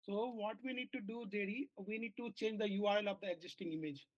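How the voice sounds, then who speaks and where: Halting man explaining a bug. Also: high voice, no echo. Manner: halting explanations full of fillers and restarts. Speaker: software engineer. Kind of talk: work meeting on a video call. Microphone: video call. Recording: dull lo-fi call audio.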